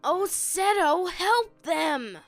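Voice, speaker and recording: A woman's voice: very high-pitched, animated, drawn-out words, gravelly, soft background music, exaggerated voice. A woman voicing a kindly, cheerful young boy in an audio drama, earnest and pleading with an older brother. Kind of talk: fan audio drama acting.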